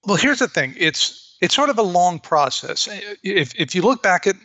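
A man's voice: high-pitched, sing-song, moderate pace, bright, forceful tone, no echo, dull audio. A man who grew up in Lebanon, a guest in an interview, telling his story reflectively with frequent restarts. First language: bilingual in Arabic and English. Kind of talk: casual interview talk.

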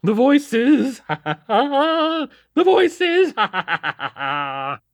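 A man voicing a paranoid, half-mad older police captain who shouts and cackles. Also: a little high, very animated, normal speed, breathy edge, no echo, clean studio sound, voice pushed up, exaggerated voice. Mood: manic. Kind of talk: audiobook character voice.

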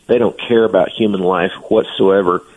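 A man's voice: sits low, steady tone, moderate pace, phone-quality sound. A man speaking as a guest on a radio interview, giving earnest, blunt opinions. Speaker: guest commentator.

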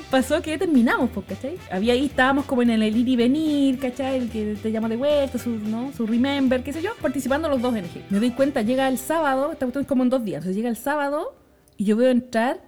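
A woman's voice: high voice, darkish tone. A young woman with a Chilean accent telling a story in a casual, slangy way, laughing often.

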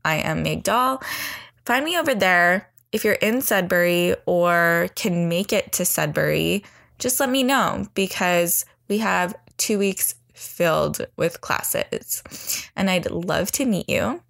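A woman's voice: on the low side, lively intonation, slow pace, vocal fry, fairly bright tone. A young woman hosting her podcast in a chatty, upbeat way, sounding groggy with her morning voice as she records from bed on a studio mic. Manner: chatty, upbeat, rambling updates. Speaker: podcast host. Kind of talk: casual solo podcast chat. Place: in bed, indoors. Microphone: new heavy studio microphone.

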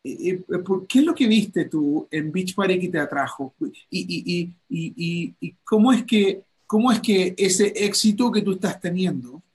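A man's voice: sits high, a little slow, few pauses. A male host talking animatedly on a call, with many fillers and restarts. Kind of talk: enthusiastic call interview.

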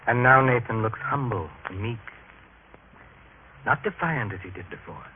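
An actor playing a humbled, reverent follower of a religious teacher in an old radio drama. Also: male voice, mid-range voice, animated, normal speed, narrow, tinny audio, a little hiss or hum, natural voice. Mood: reverent, hushed. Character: humbled male listener of the Master, reverent. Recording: thin old radio sound, loud music behind.

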